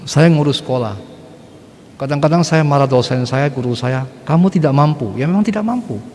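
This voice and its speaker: A man's voice: medium pitch, expressive, fairly quick, darkish tone, slight background noise. A middle-aged male Catholic priest preaching a sermon in a blunt, conversational way, firing rhetorical questions at the congregation. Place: church. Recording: long church reverb.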